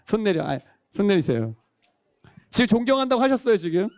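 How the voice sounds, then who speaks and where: Animated male pastor preaching, high swooping voice, clear and dry. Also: brisk, dry recording. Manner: animated, quizzes the congregation and calls for amens. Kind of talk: sermon. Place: church worship service.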